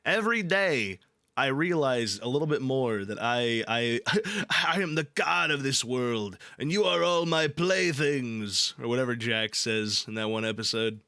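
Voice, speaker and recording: A man's voice: mid-range voice, expressive, measured pace, pushed and bright, no room sound, clean studio sound. A playful, irreverent man hosting a livestream, moving between casual chat and reading aloud. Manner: playful, irreverent, profane, jokey. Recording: background music under the voice. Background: ambient background music.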